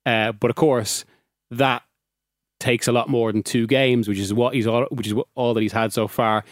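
A man's voice: mid-range voice, fairly even intonation, moderate pace, no room sound, studio quality. A man with an Irish accent talking football as a regular on a podcast, chatty, often restarting and laughing. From Ireland. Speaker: football journalist. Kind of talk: casual podcast discussion.

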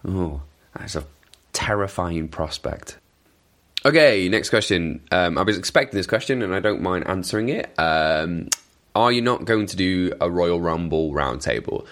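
A man's voice: deep voice, expressive, moderate pace, a bit bright. A young Welsh man with a Welsh accent, hosting a podcast and answering listener questions in a chatty, self-deprecating, rambling way. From Wales. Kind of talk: casual chat.

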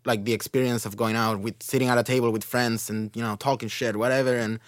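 A man's voice: mid-range voice, level tone, fast talker, no room sound, studio quality. A man from Chile talking casually as a podcast guest, rambling with lots of fillers.

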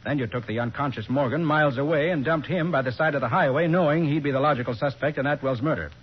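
Fast, assertive 1940s radio detective. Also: male voice, on the high side, breathy edge. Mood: confident, accusing. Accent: American. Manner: assertive, explanatory, accusing. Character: confident, sharp private detective, a man. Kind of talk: 1940s radio crime drama acting. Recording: dull 1940s radio recording.

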